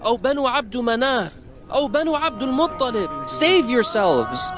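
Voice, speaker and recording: A man's voice: high-pitched, moderate pace, music in the background, pitched above the performer's own voice, lightly acted. A man voicing a prophet proclaiming warnings. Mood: solemn urgent. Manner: raised, proclaiming voice. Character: male prophet calling out urgent warnings to a crowd.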